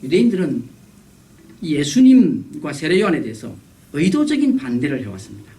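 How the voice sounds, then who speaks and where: Animated male pastor, heard from afar. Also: a little high, fairly quick, far from the mic, rough recording. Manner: animated preaching, acting out quoted voices. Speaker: guest pastor. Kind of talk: revival sermon. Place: church sanctuary.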